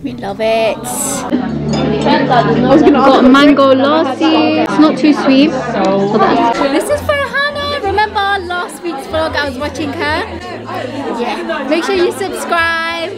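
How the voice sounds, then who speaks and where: Bubbly high-voiced woman vlogging at a party. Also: expressive, slow. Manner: bubbly, gushing, chatty. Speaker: beauty influencer vlogger. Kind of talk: casual vlog chat. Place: busy event hall with music and crowd. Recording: loud music and crowd chatter behind.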